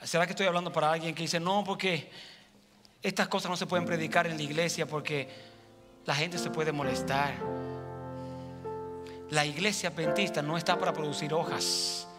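A pastor in his forties with a Dominican accent, preaching a sermon and moving between loud appeals and quiet asides. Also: fairly high pitch, steady tone, moderate pace, pauses often. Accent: Dominican Spanish. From Dominican Republic. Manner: preaching with sweeping gestures, voice swinging from loud to soft. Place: large church sanctuary with red seating. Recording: church hall reverb, faint music.

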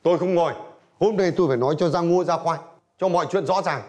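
A man's voice: a little high, fast talker, a little mellow, close to an everyday voice. An actor playing a hot-tempered, proud old man in a nursing home, scolding and defensive. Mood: indignant. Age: older. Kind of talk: TV drama acting.

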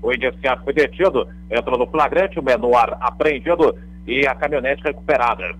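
A man's voice: medium pitch, fairly quick, fairly bright tone, breathy edge, rough recording. A middle-aged man from Brazil reading a radio police bulletin as a crime reporter, in a conversational way with fillers and tag questions. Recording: radio broadcast audio.

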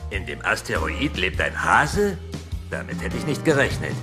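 A man's voice: low voice, sing-song, moderate pace, over music. An actor playing a grumpy, sarcastic male animal traveler in an audio drama.

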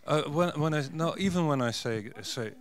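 A man's voice: fairly high pitch, expressive, moderate pace. A middle-aged man, not a native English speaker, speaking as a panelist at a conference with many fillers and restarts into a handheld mic. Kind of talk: panel discussion. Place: conference stage. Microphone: handheld microphone.

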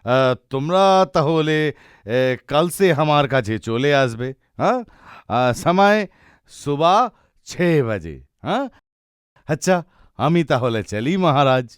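Animated Urdu-accented cartoon scholar. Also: male voice, on the high side, slow, clean tone, dry recording, clean studio sound. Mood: genial, instructing. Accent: Hindi-Urdu flavoured Bengali. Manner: peppers speech with Hindi-Urdu words, repeats phrases. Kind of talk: cartoon voice acting. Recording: music behind the voice.

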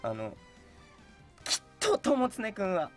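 A man's voice: high voice, huge pitch swings, unhurried, faint music behind. A young adult man, a guest on a radio show, chatting casually and telling anecdotes in an eager, politely deferential way. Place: radio studio. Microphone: studio boom microphone.

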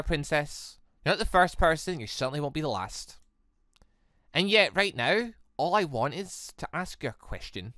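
A man voicing a bitter, resolute young fantasy woman in a measured, guarded way. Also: mid-range voice, a bit bright, no echo, clean studio sound, voice pushed down, natural voice. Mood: cold, bitter.

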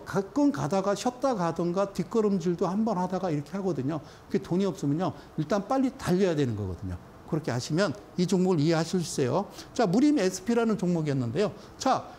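A man's voice: high voice, mellow, a little hiss or hum. A middle-aged man giving a stock chart lecture, emphatic, often checking in with his viewers. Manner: emphatic, keeps checking in with the audience. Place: studio.

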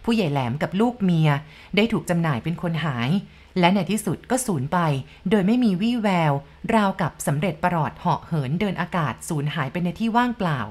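Woman reading a spooky tale out loud, kinda low voice, steady and measured. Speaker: storyteller. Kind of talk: ghost story narration.

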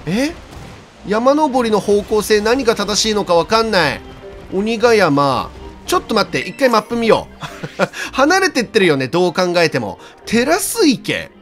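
Lively high-voiced man commentating a game. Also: a little slow. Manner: chatty, laughs often, talks to viewers. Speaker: let's play streamer. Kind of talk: game commentary, reading in-game dialogue aloud. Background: faint game music.

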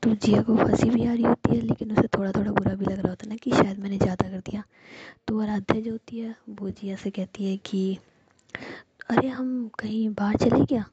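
A woman telling a love story in a soft, intimate, breathy whisper, in a whispered storytelling style. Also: medium pitch, flat delivery, brisk, lo-fi sound, a little hiss or hum.

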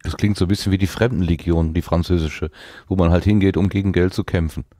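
A man's voice: low voice, steady tone, quick pace, warm tone, no room sound, clean studio sound. A man hosting a podcast in a casual interview style, musing aloud and hesitating as he puts his thoughts and questions together. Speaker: podcast host.

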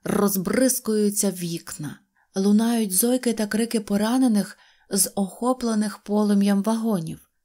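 A woman reading an audio fairy tale in an expressive storytelling manner. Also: medium pitch, a little slow. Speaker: narrator.

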